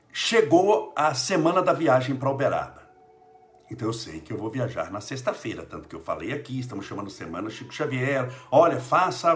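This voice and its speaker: A Brazilian man with a mid-pitched voice hosts an informal religious livestream while sick with a cold. He talks like a preacher in conversation, circling back to repeat phrases for emphasis. Music plays faintly behind him. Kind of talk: informal live spiritual talk.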